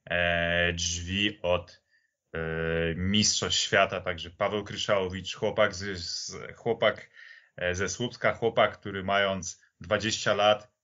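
A man talking reflectively and haltingly about sport in a conversational podcast style. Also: low-pitched, level tone, pushed and bright, muffled recording. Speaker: podcast speaker.

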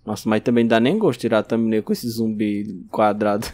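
A fairly low, fairly quick male voice with a Brazilian Portuguese accent narrates his gameplay casually. As a streamer he's excitable, yelping and addressing the zombies directly to scold them.

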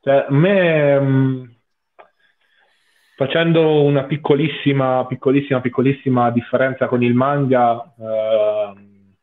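A man's voice: medium pitch, fairly even intonation, slow. A man giving casual live commentary as a panelist on an anime watch-along, often repeating phrases for emphasis. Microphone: video call. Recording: muffled narrow-band video call audio.

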